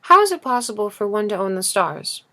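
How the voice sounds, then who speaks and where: A woman voicing a serious, curious small boy in a storybook, asking simply and thoughtfully with gentle persistence. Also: mid-range voice, big pitch swings, a little fast, voice pushed up. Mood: earnest, questioning. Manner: earnest questioning, simple and thoughtful. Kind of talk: storybook character reading.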